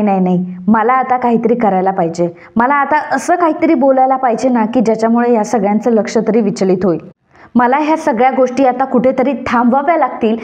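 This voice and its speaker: A woman voicing a scheming young wife thinking aloud in a lower, hushed, worried tone. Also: natural voice. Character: scheming young wife, panicking inner thoughts. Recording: dull lo-fi recording.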